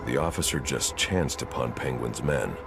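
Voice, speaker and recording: An actor playing a grim, brooding masked vigilante in a video game, with a very deep gravelly growl and a slow, clipped, menacing delivery. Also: male voice, over music. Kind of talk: video game cutscene acting. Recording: game audio with score underneath.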